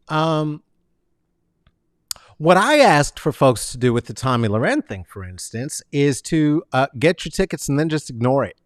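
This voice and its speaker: A man hosting his own web show, giving a theatrical comedic monologue into a close studio mic, swinging from soft asides to loud sing-song bursts. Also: fairly high pitch, sing-song, moderate pace, no echo. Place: home studio with posters and guitar. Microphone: large studio mic on stand, close.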